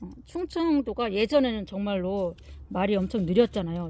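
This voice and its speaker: A woman speaks with a Chungcheong accent at medium pitch and a moderate pace. Her delivery has lively intonation and is somewhat breathy. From Chungcheong, South Korea. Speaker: succulent-growing vlogger. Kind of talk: casual chat while repotting plants.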